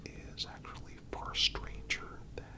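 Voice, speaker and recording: Man whispering a slow ASMR narration. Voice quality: breathy, unvoiced whisper. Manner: slow, deliberate, pausing between phrases.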